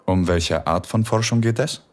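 Male actor: middle-aged professor tutoring, very low voice, easygoing and wry, unhurried. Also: darkish tone, close to an everyday voice. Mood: curious. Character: relaxed, self-mocking male philosophy professor. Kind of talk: erotic audio drama acting.

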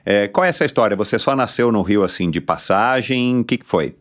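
A man's voice: on the low side, animated, a little fast. A man hosting an interview who backs the guest with short affirmations and asks long, rambling questions. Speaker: interview host. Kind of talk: casual interview talk.

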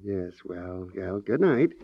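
Lively-toned, courteous radio professional man. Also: low-pitched, drawn-out words, gravelly, background noise, heavily acted. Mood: awkward, consoling. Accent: American. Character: polite, reasonable, dryly frank male house-planning professional. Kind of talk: 1950s radio comedy acting. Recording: dull 1950s radio recording.

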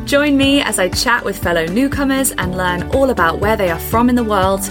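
An upbeat English woman from England hosting a podcast, a little hoarse from a head cold. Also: medium pitch, moderate pace, over music. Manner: upbeat and eager. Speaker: podcast host. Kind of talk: podcast intro and interview chat.

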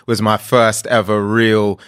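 A man's voice: fairly low pitch, flat delivery, unhurried, a bit bright, clear, resonant tone, dry recording, clean studio sound. A young man hosting a podcast interview, upbeat and enthusiastic with his guest. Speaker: podcast host.

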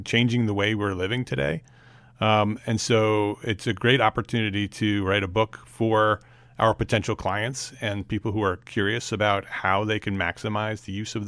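A man with a fairly low voice hosts a podcast interview. He speaks haltingly, with repeated words and fillers, and the recording is dry and close. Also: fairly bright tone, no echo. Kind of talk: casual interview talk.

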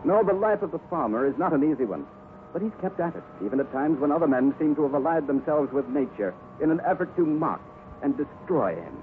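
A man announcing and narrating a radio drama with a measured, dramatic delivery. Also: on the high side, lively intonation, a little hiss or hum. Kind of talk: scripted narration. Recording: narrow 1950s radio broadcast with music.

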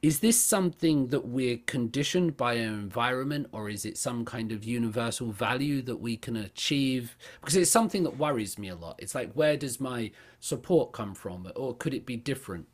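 A man from the United Kingdom hosting a casual discussion, reflective and animated, laughing easily. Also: medium pitch, moderate pace, hardly any pauses.

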